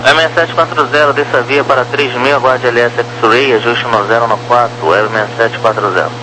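A man's voice: medium pitch, fairly even intonation, moderate pace. A Brazilian man giving procedural, number-heavy instructions as an air traffic controller over the radio. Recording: noisy humming radio channel.

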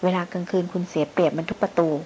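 A woman's voice: on the low side, level tone, rapid-fire, mellow, a little hiss or hum, lightly acted. Woman narrator as an anxious man begging a friend to stay put, audiobook. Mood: pleading. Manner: pleading, insistent. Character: anxious adult male expedition member pleading. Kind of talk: audiobook character reading.

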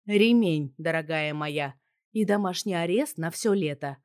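A woman's voice: fairly low pitch, measured pace, a little mellow, close to an everyday voice. A woman voicing a stern, angry father who lectures his teenage daughter. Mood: lecturing.

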